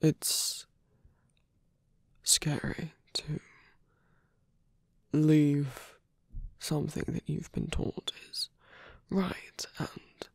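Very close and dry, a man acts out a wounded, gentlemanly villain in an ASMR audio roleplay. The voice is breathy with a gravelly creak, often fading to a whisper. He speaks slowly, politely and haltingly, weakened yet tender and wry. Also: on the high side, flat delivery, dry recording, full character voice. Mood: tender, hesitant. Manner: hesitant, halting, polite and formal. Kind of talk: intimate ASMR roleplay acting.

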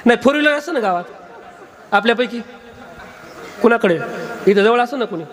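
A man's voice: very high-pitched, lively intonation, fairly quick, a faint crowd. A male kirtan preacher giving a comic sermon, teasing and quizzing his audience at a live gathering.

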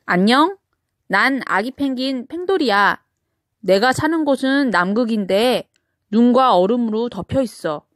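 A woman's voice: a little high, animated, a little slow, no room sound, studio quality. A woman voicing a cheerful little boy penguin chick in a children's storybook reading. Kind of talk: storybook character voice.

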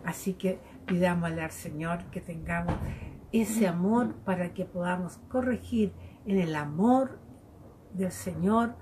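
A woman giving a devotional Bible reflection to her listeners in a gentle, conversational way, laughing often. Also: lowish voice, a little slow, a little hiss or hum. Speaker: lay preacher.

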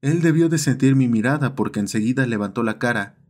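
A man's voice: mid-range voice, expressive, a little fast, a little mellow. A man narrating a scripted horror story as the host of the channel. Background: background music.

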